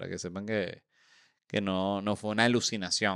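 A man's fairly low voice, dry and free of echo. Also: quiet background. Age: 30s. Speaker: comedian and podcast host; comedian, podcast host. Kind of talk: solo comedic monologue podcast. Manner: casual, animated. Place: studio. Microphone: studio mic.

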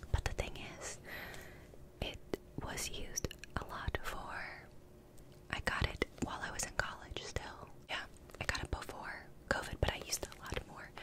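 A soft-spoken woman talks in a relaxed tone with long, frequent pauses over loud background noise. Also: moderate pace. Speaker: ASMR creator. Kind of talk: casual vlog chat. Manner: soft-spoken, relaxed close-mic talk. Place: home room. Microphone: studio mic.

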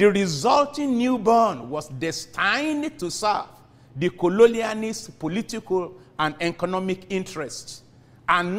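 At a fairly slow pace, a man speaks in a high pitch with lively intonation. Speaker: pastor. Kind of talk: formal lecture. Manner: formal.

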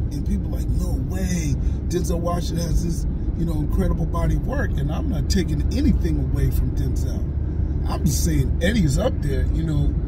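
A man speaks with music playing in the background. His pitch varies in an ordinary way. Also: fairly quick pace. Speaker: filmmaker vlogger. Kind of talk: casual vlog chat. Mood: relaxed opinionated musing. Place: car. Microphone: phone near.

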